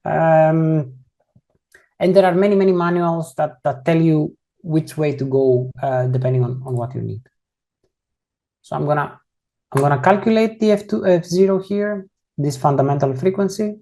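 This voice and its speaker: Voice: mid-range voice, normal speed, mellow. An instructor giving an online coding tutorial, talking casually and explaining each step while often rephrasing mid-sentence, on a computer mic during a video call. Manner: frequently rephrases and corrects itself mid-sentence.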